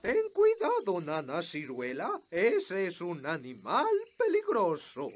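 A man voicing a gruff, pompous fairy king in a Latin American Spanish cartoon dub, full of bluster. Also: high-pitched, wildly swooping pitch, takes it slowly, full character voice. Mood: wary. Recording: music behind the voice.

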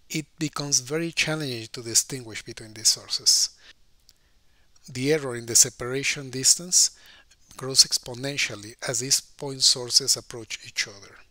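A man giving a steady, scripted voice-over that explains lab equipment. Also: medium pitch, dry recording. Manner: steady, explanatory, read-aloud delivery. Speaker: lab director narrating a lab tour.

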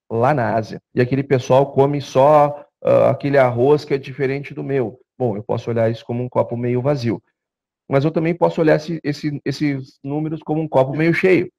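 A man in his thirties giving an animated conference lecture, speaking into a handheld mic in a meeting room. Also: medium pitch, gravelly. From southern Brazil. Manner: animated, gestures while presenting slides, rhetorical asides. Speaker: chief economist giving a seminar talk. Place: meeting room with projector screen, indoors. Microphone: handheld mic, filmed by a far camera. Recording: dull lo-fi room recording.

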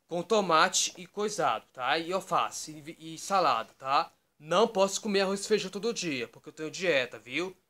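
Man, higher bright voice, rambling webcam vlog at home, endless tag questions. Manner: repeats "tá?" and "né?" constantly, loose digressive storytelling. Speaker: YouTube vlogger. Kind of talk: rambling casual talk to camera. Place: bedroom at home, indoors.

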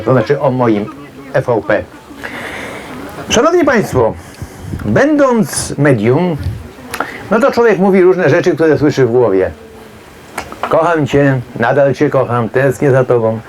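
A man's voice: on the high side, sing-song, normal speed, darkish tone. A man, working as a medium and giving a chatty, jokey talk to an audience, wandering off into asides and acting out the voices of the people he quotes.

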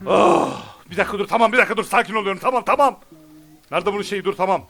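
Excitable, high-pitched gamer cursing at a game. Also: male voice, racing. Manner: excitable, frustrated, curses often. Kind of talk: let's play commentary. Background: game music.

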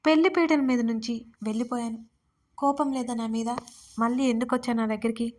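A woman voicing a loving, remorseful young husband in an audio story, asking gentle, earnest questions. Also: on the high side, steady tone, fairly quick, close to an everyday voice.

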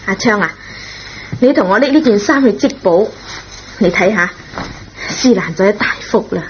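A kind, patient schoolteacher acted by a woman speaks. She is measured and reassuring in radio drama style, on a dull recording with clear background noise. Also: medium pitch, expressive, close to an everyday voice. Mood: friendly, instructing. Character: kind, forgiving, patient female schoolteacher, a parent. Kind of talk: Cantonese radio drama acting.

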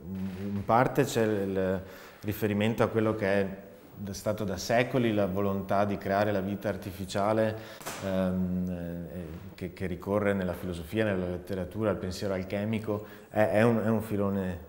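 Reverberant room, male, thirties, slightly low voice, hesitant, thoughtful interview answers. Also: steady tone, moderate pace, a little mellow. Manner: hesitant, thoughtful, searching for words. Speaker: technical artist and composer. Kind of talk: interview monologue about own artistic work. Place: dark indoor studio, seated. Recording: echoey room with long reverb.

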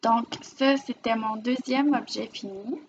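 A Quebec French-accented woman films herself on her camera mic, chatting casually in a show-and-tell vlog about the knitting projects she's finished. Her voice is fairly high and steady, a little slow, and she comes across as chatty, rambling and warm. The recording is muffled with a noisy background.

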